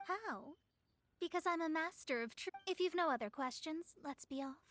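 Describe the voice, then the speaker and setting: A woman's voice: high-pitched, expressive, normal speed, a bit bright, no echo. A woman playing a haughty young female astrologer in a game, with a pompous, formal and theatrical delivery. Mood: impatient, proud.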